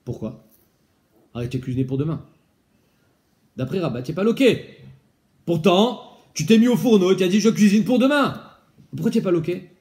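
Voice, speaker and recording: Lively man teaching a Talmud lesson. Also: high voice, a little fast, long pauses. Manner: lively, explains by asking questions, mixes in Hebrew and Aramaic terms. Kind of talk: casual Talmud study lesson.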